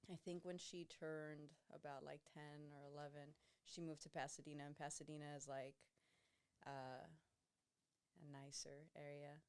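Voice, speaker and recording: A young woman with a Southern California Latina accent, a guest talking in a relaxed, slangy way and laughing often. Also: deep voice, normal speed, clean tone. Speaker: podcast guest. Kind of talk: casual podcast chat.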